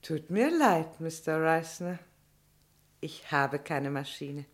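An actress playing a cool, self-possessed neighbour under police questioning in a German crime radio play. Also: female voice, deep voice, animated, takes it slowly. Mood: cool, composed.

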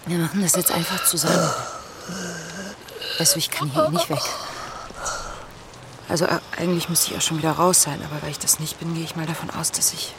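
A woman playing a distressed but defiant and compassionate thirties character in a naturalistic radio drama, speaking haltingly. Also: low voice, fairly even intonation, background noise. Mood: tender, soothing. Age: 30s.

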